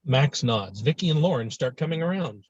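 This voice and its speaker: A man narrating stage directions in a lively way at a screenplay table read. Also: medium pitch, normal speed, slightly rough, no echo. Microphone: video call. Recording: dull lo-fi video call audio.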